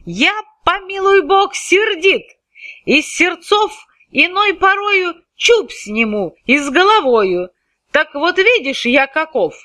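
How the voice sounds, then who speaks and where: A woman's voice: fairly high pitch, very animated, drawn-out words, pushed and bright, no echo, clean studio sound, heavily acted. A woman voicing an angry, boastful old tsar in a storybook verse reading, blustering and threatening.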